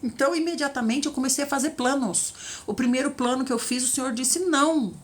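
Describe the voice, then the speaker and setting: A woman giving devotional teaching as a preacher, animated and acting out the voices she quotes. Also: sits high, brisk.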